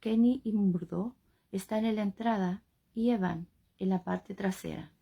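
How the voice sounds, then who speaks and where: Woman voicing a hurt scotsman, soft and patient, gravelly low-key read, audiobook. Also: a little slow, muffled recording. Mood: firm. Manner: quiet, calm, reasoning tone. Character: wounded Scottish man, patient and firm.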